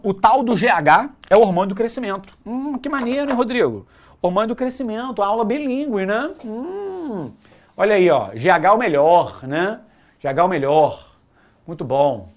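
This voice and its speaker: A man's voice: high-pitched, normal speed, long pauses. A man teaching a live online biology class for exam prep, casual and joking, full of slang. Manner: slangy, joking, lively lecturing.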